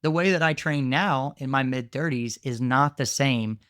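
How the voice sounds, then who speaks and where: Here a thirties-aged male jiu-jitsu coach delivers instructional talk to camera, giving frank training tips in a chatty way with casual fillers. The voice sits mid-range and is a bit bright and smooth, at normal speed, recorded cleanly in the studio with no echo.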